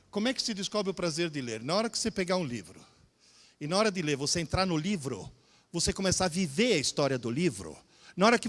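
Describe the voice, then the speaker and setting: On a very clean recording with a silent background, the speaker sounds animated, swinging very widely in pitch at a fairly quick pace. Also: man. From Italy. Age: 60s. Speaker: teacher, motivational speaker. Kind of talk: lecture.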